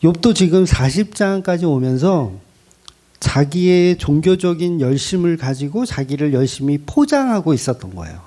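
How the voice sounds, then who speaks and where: A man preaching a sermon as pastor, in an animated way with rhetorical questions and emphatic repetition. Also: a little high, moderate pace. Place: church.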